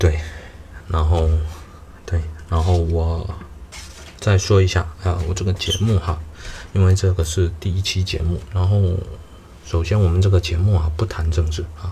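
Amid noticeable background noise, the delivery is monotone and flat at a moderate pace, broken by long, frequent pauses. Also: man, very deep, low pitch for a man. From southern China. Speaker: immigration and study-abroad consultant, podcaster. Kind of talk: solo monologue podcast. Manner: halting, many fillers.

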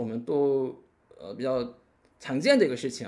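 Speaking with a Korean accent, a man swings his pitch very widely. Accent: Korean-accented Mandarin. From South Korea. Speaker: doctoral student. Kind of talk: casual chat. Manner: halting.

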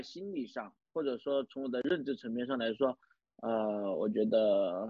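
The man speaks at a moderate pace. His pitch swings very widely. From Henan, China. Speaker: student, returning guest. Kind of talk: casual chat. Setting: remote call.

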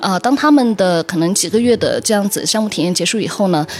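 Over noticeable background noise, a woman speaks at a medium pitch with lively intonation. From China, Guizhou. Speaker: startup founder. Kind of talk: interview. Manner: halting, many fillers.

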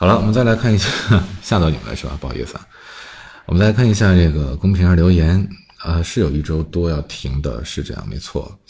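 A man speaks at a very fast pace with a very deep, low pitch and lively intonation. His voice is somewhat breathy. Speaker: radio DJ hosting live audio stream. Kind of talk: casual live-stream chat. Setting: live audio stream.

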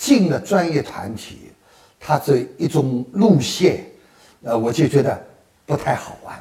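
His pitch swings very widely as the man talks very slowly. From Shanghai. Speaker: traditional Chinese musician. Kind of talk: interview.

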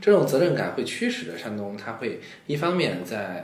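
Moderately paced speech from a man, over noticeable background noise and with audible room echo. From Shandong, Weifang (China). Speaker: freelance columnist. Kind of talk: casual chat. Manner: halting, many fillers and repetitions.

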